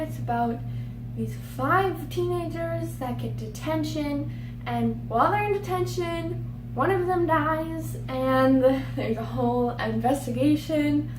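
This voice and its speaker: High-voiced, chatty young woman. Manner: chatty, rambling, stumbles over names. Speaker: book vlogger. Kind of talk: casual chat to camera. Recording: roomy echo, distant mic, noticeable hum.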